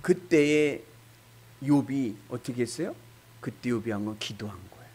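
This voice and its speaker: A man's voice: mid-range voice, lively intonation, moderate pace, darkish tone, breathy edge. A middle-aged male pastor preaching a sermon, acting out quoted dialogue in shifting voices.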